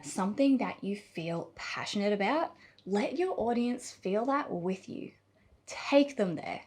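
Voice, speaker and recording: A woman giving a scripted on-camera tutorial as a video coach, speaking expressively with deliberate pauses and emphasis. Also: mid-range voice, a little mellow.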